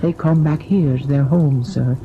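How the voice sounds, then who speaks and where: A woman's voice: extremely low pitch, measured pace. An actress playing a superstitious, deferential older servant woman, guarded and uneasy, in an old-time radio drama. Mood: hushed, foreboding. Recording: dull, noisy old radio recording.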